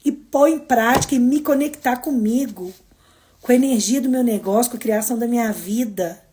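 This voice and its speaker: A woman with a Brazilian Portuguese accent, hosting a casual motivational live stream, expressive and moving between emphatic and soft delivery. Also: on the high side, moderate pace. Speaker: host of daily live streams.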